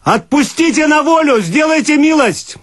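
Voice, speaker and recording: A man's voice: expressive, moderate pace, fairly bright tone, no room sound. A man voicing a panicked Soviet poet, trapped and begging in broken German. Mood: desperate pleading. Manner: pleading, shrill, broken German.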